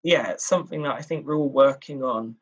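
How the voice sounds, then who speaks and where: A man speaking as an interview guest, reflective and measured, filling pauses with "you know" and "um". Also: mid-range voice, breathy edge. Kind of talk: casual conversational interview.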